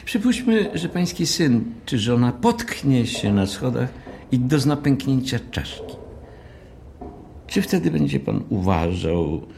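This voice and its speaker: An actor playing a stiff, condescending hotel manager with formal, measured speech in an audio drama. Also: male voice, mid-range voice, very animated, creaky, a little mellow, a little hiss or hum, heavily acted. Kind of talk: audiobook radio play acting.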